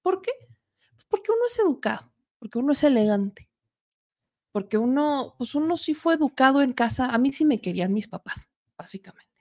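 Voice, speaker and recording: A woman's voice: high voice, sing-song, normal speed, pauses often, dark tone. Chatty Mexican woman hosting a talk show. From Puebla, Mexico. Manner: chatty and joking, with asides to the producer. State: lingering cough from allergies. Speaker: political commentary host. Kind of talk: casual political talk show.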